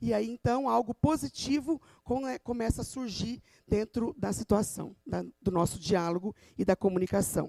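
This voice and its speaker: With a dark, mellow tone and some vocal fry, a woman talks at a moderate pace and medium pitch, her pitch swinging very widely in a dry, close sound with no echo. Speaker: teacher of young children giving a church talk. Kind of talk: church lecture.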